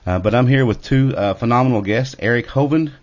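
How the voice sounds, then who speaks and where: A man's voice: mid-range voice, brisk, a little mellow. A man hosting a radio show, introducing his guests in a hesitant way with frequent filler sounds. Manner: hesitant, lots of uh. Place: studio. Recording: dull lo-fi studio sound.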